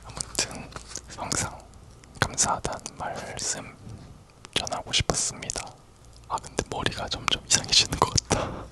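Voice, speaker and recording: A person whispering a casual, rambling ASMR chat in a soft, unvoiced whisper. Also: moderate pace, poor audio. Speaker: ASMR video creator.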